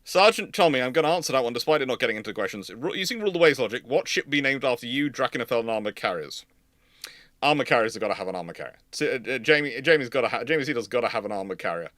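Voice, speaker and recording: A man with a bright, forceful voice in a dry, close recording. He hosts a live history discussion and explains his views emphatically, wandering into digressions as he goes. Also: medium pitch, lively intonation, rapid-fire, no room sound. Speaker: host, naval historian. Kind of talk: live question-and-answer discussion.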